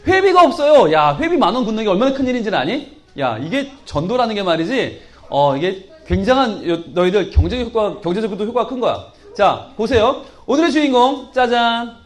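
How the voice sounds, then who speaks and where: A man preaching a playful children's sermon as their pastor, teasing and animated. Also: sits high, brisk, few pauses.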